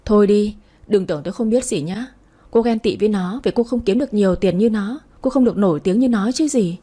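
Woman narrator doing a sharp-tongued old mother-in-law, storybook read, mellow husky tone, wailing complaints. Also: mid-range voice, fairly quick, lightly acted. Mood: scornful. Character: scolding, dramatic elderly mother-in-law.

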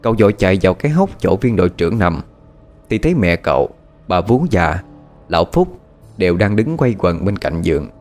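A man with a low voice narrates a dramatic story. His delivery is measured but rises and falls widely, with soft music playing behind. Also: big pitch swings. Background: faint background music.

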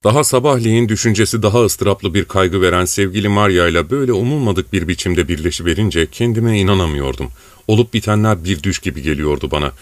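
A man reading an audiobook in a steady, measured narration. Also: lowish voice, no room sound. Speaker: audiobook reader.

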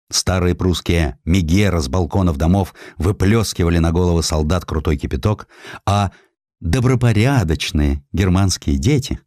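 Deep-voiced male narrator, dry studio sound. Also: a little mellow, dry recording. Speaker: audiobook narrator. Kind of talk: dramatic scripted narration of historical prose.

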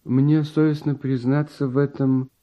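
An actor playing a troubled, sincere composer in a radio verse drama, confiding uneasily as if haunted by dread. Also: male voice, mid-range voice, level tone, unhurried, natural voice. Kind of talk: theatrical verse dialogue, classic Russian radio play. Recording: dull, muffled old radio recording.

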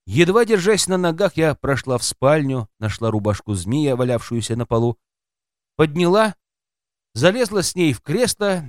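A man's voice: mid-range voice, no echo, clean studio sound. A man reading an audiobook aloud as scripted first-person narration, expressively voicing a woman narrator's inner thoughts.

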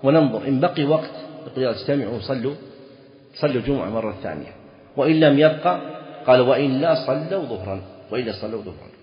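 Arabic scholar teaching in an echoey hall. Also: male voice, mid-range voice, expressive, fast. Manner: reads a line of the text, then explains and repeats key phrases; asks the students questions and answers them himself. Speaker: Islamic scholar teaching a fiqh text. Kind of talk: classroom lesson explaining a legal text. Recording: echoey hall recording, dull lo-fi sound.

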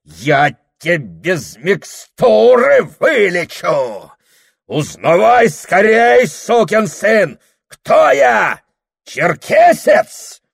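A man voicing a huge, drunken, furious deacon who bellows long, drawn-out threats. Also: on the low side, lively intonation, a bit bright. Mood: bellowing.

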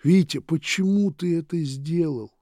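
A man voicing a hot-tempered young man who shouts in a strained, raised voice, in an audiobook. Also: on the high side, unhurried, dry recording, studio quality, voice pushed up, natural voice. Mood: whiny. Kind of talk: audiobook character voice.

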